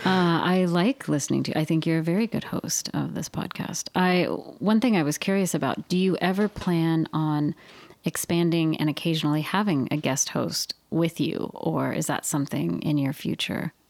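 In a dry, close sound with no echo, a woman with a plain, everyday voice speaks at a moderate pace, her fairly low pitch showing ordinary variation. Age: 20s. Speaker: guest interviewer. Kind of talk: casual interview. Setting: video call.

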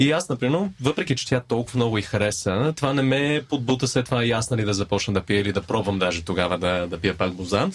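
Man speaking at a fairly quick pace, ordinary pitch variation. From outside Bulgaria. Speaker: journalist and documentary maker. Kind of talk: casual chat.

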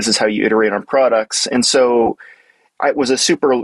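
Fairly quick and fairly even in intonation, a man speaks at medium pitch in an unremarkable speaking voice. The sound is dry and close, with no echo. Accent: American. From US Northeast, Boston area. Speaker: app developer and co-founder. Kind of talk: interview.

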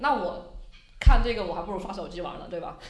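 A woman with a slight Sichuan accent speaks at a fairly high pitch. Noticeable background noise and audible room echo are present. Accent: Sichuan-accented Mandarin, slight. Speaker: screenwriter. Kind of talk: casual chat.

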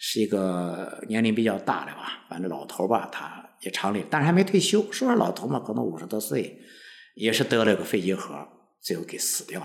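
A man with a fairly low pitch speaks at a moderate pace with lively intonation. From Shaanxi, China (Baoji). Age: 60s. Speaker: martial arts and qigong teacher. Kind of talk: interview storytelling. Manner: halting.

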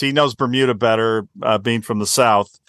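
With an American accent and a bright, sharp tone, a man speaks at a fairly quick pace in a dry, close sound with no echo over a quiet background. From United States. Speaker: golf writer and co-host. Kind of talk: casual chat. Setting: remote call.

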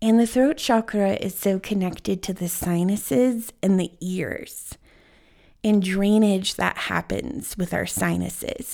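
This is a woman with a normal speaking voice at a medium pitch and ordinary pitch variation. She talks at a fairly slow pace in a very clean recording with a silent background. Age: 30s. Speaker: podcast host. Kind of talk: solo podcast monologue. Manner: confessional, candid.

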